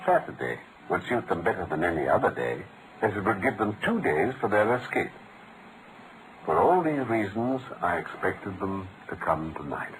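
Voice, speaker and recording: World-weary brainy british detective, very expressive, old radio drama with a bit of hiss. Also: male voice, low-pitched, moderate pace. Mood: assured. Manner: articulate, theatrical, explanatory delivery. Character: brilliant, precise, world-weary gentleman detective. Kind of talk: 1940s-style radio drama acting. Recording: noisy old-time radio recording.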